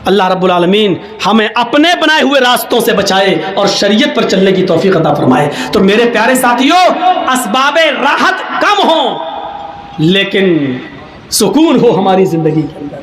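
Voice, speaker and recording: A man preaching a humorous storytelling sermon, animated and breaking into shouts for emphasis. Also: high voice. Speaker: Islamic preacher. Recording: echoey hall, faint background noise.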